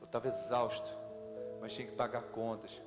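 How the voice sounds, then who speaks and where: A man with a Brazilian accent, preaching a sermon as pastor, telling stories in a lively way with laughter. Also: medium pitch, moderate pace, big-room sound, over loud music. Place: church sanctuary.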